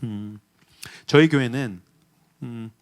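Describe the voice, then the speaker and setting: A middle-aged male pastor preaching a sermon in a church, telling a story with feeling and moving between loud exhortation and hushed retelling. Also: medium pitch, slow pace. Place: church sanctuary.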